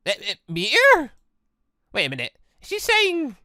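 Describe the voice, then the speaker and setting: A bewildered young man in a visual novel, acted out by a narrator, anxious and hesitant. The voice is bright, with dramatic swings in pitch and a note of disbelief. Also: huge pitch swings, normal speed, dry recording, studio quality, exaggerated voice. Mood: confused, alarmed.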